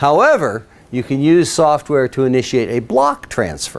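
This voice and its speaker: Lively intonation marks a man's ordinary speaking voice. He talks at a moderate pace. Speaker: university lecturer. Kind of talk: lecture.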